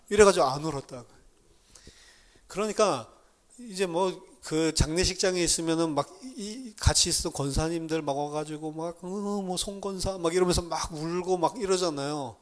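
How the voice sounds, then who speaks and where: A middle-aged man preaching a sermon in church, telling stories in a lively way and often laughing at himself. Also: fairly high pitch. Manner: animated storytelling with laughs. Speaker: pastor.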